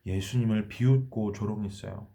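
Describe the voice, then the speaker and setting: A man's voice: on the low side, fairly even intonation, normal speed, creaky, dark tone. A man preaching a children's sermon, telling the story and asking the children questions as he goes. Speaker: children's pastor.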